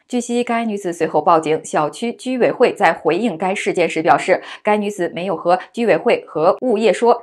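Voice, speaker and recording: A woman giving scripted news narration in a brisk, even reading delivery. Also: fairly low pitch.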